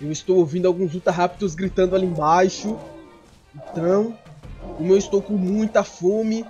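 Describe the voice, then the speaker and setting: A young Brazilian man with a Brazilian Portuguese accent, narrating a game in character as his creature, excitable and quick to shout in panic. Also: high voice, muffled recording, faint music behind. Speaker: gameplay streamer. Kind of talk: in-character gameplay commentary.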